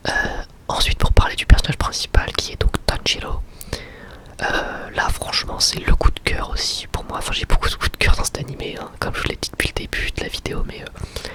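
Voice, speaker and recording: Whispering man, ASMR review. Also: a little fast. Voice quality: breathy, unvoiced whisper. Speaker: ASMR video creator and anime reviewer.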